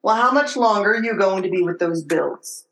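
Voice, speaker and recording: A woman acting a practical, exasperated housewife and mother in old-time radio comedy, dry and gently scolding. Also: medium pitch, lively intonation, moderate pace, roomy sound, low-quality recording. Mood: matter-of-fact.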